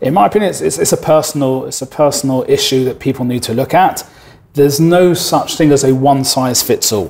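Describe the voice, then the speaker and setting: Here a man talks with an English accent at a fairly high pitch. His pace is fairly quick. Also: ordinary pitch variation. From England. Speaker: insurance agent. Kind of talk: interview. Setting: studio.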